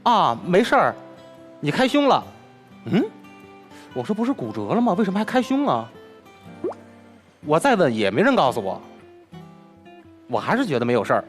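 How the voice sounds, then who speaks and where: Man, crosstalk performer, animated storytelling, widely moving pitch. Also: brisk, pauses often, soft background music. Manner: animated, retells dialogue with lively swings. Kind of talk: emotional storytelling in an interview.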